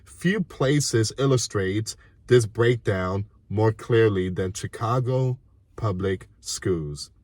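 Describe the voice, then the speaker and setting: A man's voice: on the low side, slow, darkish tone, no echo. A man from Puerto Rico reading a news article aloud and adding indignant comments, with frequent asides and restarts.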